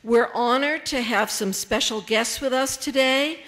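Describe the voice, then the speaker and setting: A woman serving as the emcee of a ceremony, reading out names, titles and introductions in a measured way. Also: a little high, fairly bright tone.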